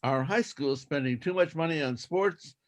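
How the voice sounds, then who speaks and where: Guy running a speech contest, kinda high voice, goes through the rules step by step, repeats stuff. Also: moderate pace. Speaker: contest toastmaster. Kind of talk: explaining contest rules to participants.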